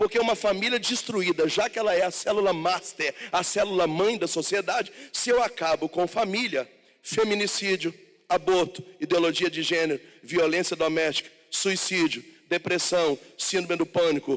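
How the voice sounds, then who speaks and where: A man speaks at a moderate pace in a high voice with ordinary pitch variation, an animated tone, and very even loudness. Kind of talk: sermon.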